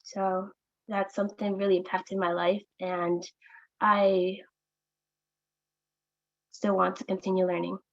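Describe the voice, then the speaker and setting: A teenage girl, a student on a panel, answering haltingly as she searches for her words. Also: mid-range voice, level tone, no echo, lo-fi sound. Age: teens.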